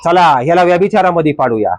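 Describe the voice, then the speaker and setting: A man's voice: fairly high pitch, expressive, brisk, slight background noise, voice pushed down, natural voice. A man voicing a scheming, resentful male devil who grumbles and plots to himself in a sermon.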